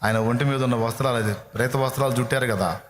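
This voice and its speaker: A man's voice: medium pitch, steady tone, fast talker, a little hiss or hum. A male pastor preaching a sermon in a dramatic storytelling manner, acting out dialogue. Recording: roomy echo. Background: faint music.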